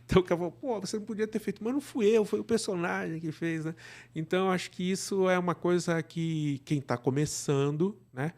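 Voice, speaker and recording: A middle-aged man with a Brazilian accent and a slightly high voice talks as a guest in a relaxed interview. He explains his work conversationally and often slips into imagined remarks to make a point. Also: fairly quick. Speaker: guest, director and cultural producer.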